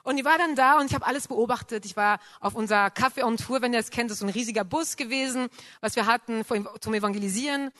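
Woman pastor, testimony, slightly high voice, dry close sound, German, earnest. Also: fast talker, no echo. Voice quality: non-native German grammar, emotional storytelling. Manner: earnest, builds intensity then drops soft. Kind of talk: personal testimony.

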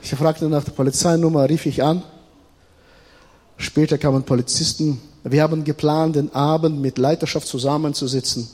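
Husky middle-aged preacher in a reverberant hall. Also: male voice, fairly high pitch, steady tone, moderate pace. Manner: swings between loud emphatic stretches and quiet confiding storytelling. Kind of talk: sermon. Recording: long reverb of a large hall.

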